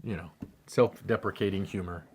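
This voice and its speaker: A man's voice: sits low, moderate pace, a little mellow, slight background noise. A man with an American accent in casual, jokey conversation as a co-host reading out viewer questions. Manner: self-deprecating, jokey. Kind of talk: casual chat.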